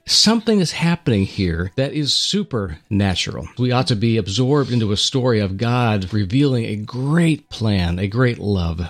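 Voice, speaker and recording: A man's voice: on the low side, lively intonation, normal speed, hardly any pauses. A man co-hosting a Christian radio talk in a conversational, earnest, reflective way with preacher-like phrasing. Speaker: radio show co-host.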